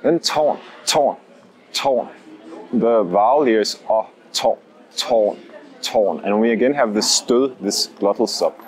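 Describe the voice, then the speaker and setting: A man in his forties, a native Danish speaker, teaching pronunciation slowly and carefully, recorded outdoors on city streets with a lapel mic. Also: lowish voice. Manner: slow, exaggerated demonstration of sounds. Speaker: language teacher. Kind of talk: pronunciation lesson vlog.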